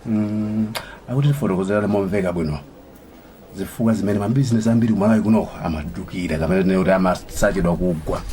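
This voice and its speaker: A man's voice: low-pitched, very fast, slight background noise, lightly acted. A man with a Malawian accent playing a jokey, bantering young college student in a radio drama. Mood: explaining. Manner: bantering, animated. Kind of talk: vernacular radio drama acting.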